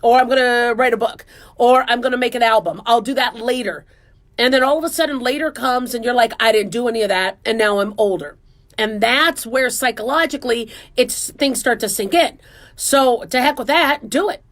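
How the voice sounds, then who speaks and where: A woman's voice: on the high side, moderate pace. A woman in her forties hosting a radio show, chatting in a casual, self-mocking, joking way. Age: 40s. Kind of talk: casual talk radio monologue.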